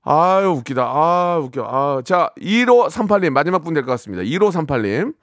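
A man hosting a phone-in impression contest on the radio, teasing callers, laughing and handing out quick verdicts. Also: on the high side, big pitch swings, a bit bright, dry recording, studio quality. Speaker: radio show host.

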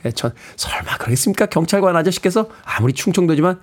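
A man's voice: high voice, lively intonation, fast. Chatty middle-aged male radio host. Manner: chatty, reads out listener messages and announcements. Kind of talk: radio show presenting. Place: radio studio. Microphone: studio microphone.

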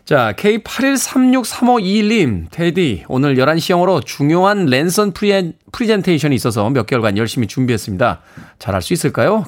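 A man hosting a radio show, chatting, reading listener messages and plugging events with self-mocking humor. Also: mid-range voice. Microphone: studio microphone.

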